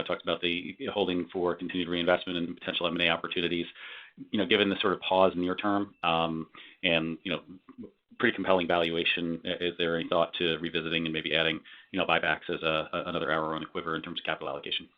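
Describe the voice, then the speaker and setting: Deep, flat-toned male analyst, dull line. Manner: halting, hedging. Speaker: financial analyst asking questions. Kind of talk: earnings call questioning. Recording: dull, band-limited call audio.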